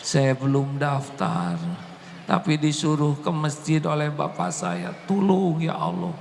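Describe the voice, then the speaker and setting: A man's voice: a little high, sing-song, unhurried, gravelly, darkish tone, long reverb tail, a little hiss or hum, pitched above the performer's own voice, heavily acted. A man voicing an earnest young schoolboy in a sermon story, talking in a raised pleading voice.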